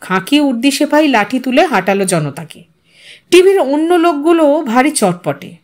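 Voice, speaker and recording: High-pitched, expressive woman storyteller. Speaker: audio story narrator. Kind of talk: dramatic scripted literary narration.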